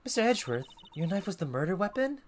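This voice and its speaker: A man's voice: sits high, very animated, fast talker, slight background noise, voice pushed up. A man voicing an earnest young male defense lawyer who sounds puzzled and asks a lot of questions.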